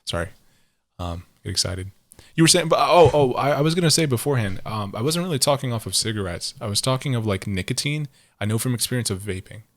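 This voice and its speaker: A man co-hosting a podcast in casual, rambling chat, swearing freely and getting animated as he tells stories. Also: medium pitch, quick pace. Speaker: podcast co-host.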